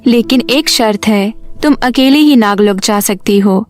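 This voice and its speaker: A woman voicing a serpent sister, a plain and firm messenger, in an animated story. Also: a little high, unhurried, soft background music, close to an everyday voice. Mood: firm, informative. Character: serpent sister bearing a message and a firm condition.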